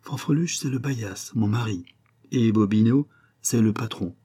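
Male reader doing a young gypsy fairground woman, earnest and simple, husky lowish voice, dark tone. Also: normal speed.

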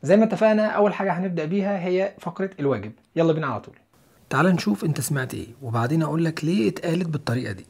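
A husky-voiced man with an Egyptian Arabic accent leads an online English lesson. He talks the learner through each point calmly. He slows right down to repeat English phrases again and again. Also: fairly high pitch. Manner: explains patiently, repeating English phrases slowly and clearly. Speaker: English teacher.

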